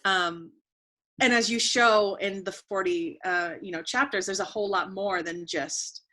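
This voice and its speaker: Bright-voiced woman interviewer. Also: mid-range voice, unhurried. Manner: friendly, hesitant, many fillers. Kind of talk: conversational interview.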